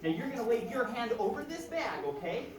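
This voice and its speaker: A woman's voice: fairly high pitch, sing-song, a little fast, distant mic. A woman performing as a kids party magician, coaxing her young audience along with questions, instructions and countdowns. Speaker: magician hosting a children's show. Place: large indoor room at a public library. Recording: echoey large room from afar, loud crowd. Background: loud crowd of children and adults.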